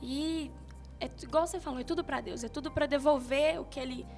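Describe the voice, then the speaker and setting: A young woman from Minas Gerais with a Mineiro accent, a guest singer telling her story with animated, laughing self-quotes. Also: sits high, a little fast, faint music behind. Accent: Mineiro Brazilian Portuguese. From Minas Gerais, Brazil. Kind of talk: casual interview chat.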